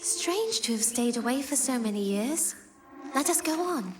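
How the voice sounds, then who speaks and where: A woman playing a gentle, solemn ghost who guides with measured, formal speech in an audio drama. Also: high-pitched, expressive, soft background music. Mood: calm, solemn. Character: gentle, solemn guiding ghost of Christmas past. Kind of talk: theatrical audio drama acting.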